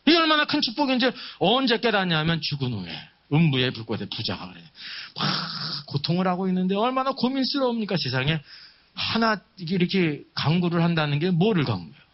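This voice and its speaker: A man delivers a sermon in a fairly high voice that swings widely in pitch. He teaches emphatically, posing questions to his listeners and repeating key phrases, on a somewhat dull, lo-fi recording. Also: very animated, brisk. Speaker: preacher leading a Bible seminar. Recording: dull, muffled lo-fi sound.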